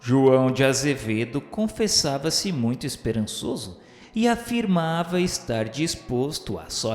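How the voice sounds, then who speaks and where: Reverberant hall, Brazilian man, mid-pitched, formal radio-drama narration, music behind. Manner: formal, literary, measured.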